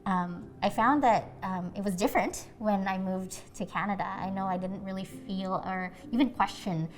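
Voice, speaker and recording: A woman's voice: medium pitch, steady tone, normal speed. A woman, a Bisaya speaker, speaking earnestly and thoughtfully as an actress in a documentary interview. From Philippines. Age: 20s.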